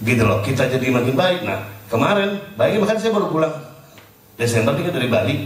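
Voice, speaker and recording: A man's voice: medium pitch, slight background noise. Middle-aged guy telling his story, rambly, english words mixed in, very echoey room, mic far away. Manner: talks in long loose runs, mixing in English words. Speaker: participant sharing spiritual testimony. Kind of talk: casual personal testimony.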